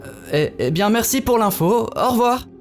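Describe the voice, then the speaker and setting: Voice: mid-range voice, expressive, moderate pace, natural voice. A performer playing a nervous young male mechanic in a visual novel, hesitant and stammering. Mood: nervous, evasive. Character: nervous young male spaceship mechanic, easily panicked, fumbling. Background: music.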